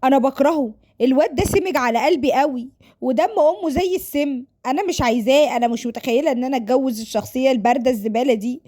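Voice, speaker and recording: A woman acts out a defiant young Egyptian woman in a family drama story. Her voice is high and she talks very quickly. She complains and pleads with melodramatic distress, refusing to be married off. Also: warm tone. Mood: pleading, resentful.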